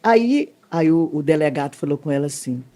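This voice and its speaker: Middle-aged woman, emotional church testimony guest, lively and expressive. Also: fairly quick. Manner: animated, swings widely in pitch, leans on "né" tag questions. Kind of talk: emotional faith testimony storytelling.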